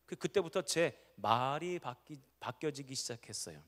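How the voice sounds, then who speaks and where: A middle-aged man preaching a revival sermon as a pastor, swinging from quiet storytelling to loud proclamation and acting out the prayers and commands he quotes. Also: mid-range voice, animated, normal speed. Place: church sanctuary. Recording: long church hall reverb.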